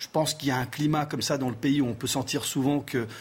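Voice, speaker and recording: A man's voice, fairly high in pitch, comes across as somewhat breathy. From Brazil, then France from age 10. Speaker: politician. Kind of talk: TV panel debate.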